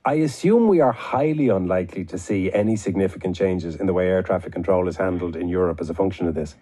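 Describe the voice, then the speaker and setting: A man's voice: deep voice, fast, mellow. A man hosting a radio interview and putting questions to a guest. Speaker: radio host. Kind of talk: broadcast interview.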